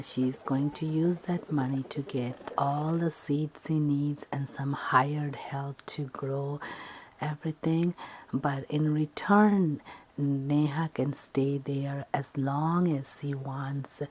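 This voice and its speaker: A woman telling an improvised ASMR story in a breathy, often whispered voice, halting between short phrases. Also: deep voice, darkish tone.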